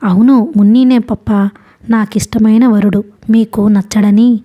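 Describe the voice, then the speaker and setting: A woman's voice: mid-range voice, steady tone, a little slow, dark tone, close to an everyday voice. A woman reading the part of a defiant young daughter who speaks earnestly and pleadingly to her father, in an audiobook.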